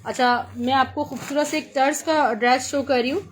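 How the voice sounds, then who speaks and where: A woman with a Pakistani accent giving a live sales pitch for clothes in chatty teleshopping patter, repeating her praise and prices. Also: steady tone, moderate pace, slight background noise. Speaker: live online clothing seller.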